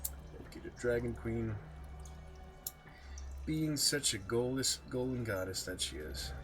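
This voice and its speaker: A man's voice: mid-range voice, animated, slow, a bit bright. A man giving casual, musing video game commentary in short asides. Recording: game music behind.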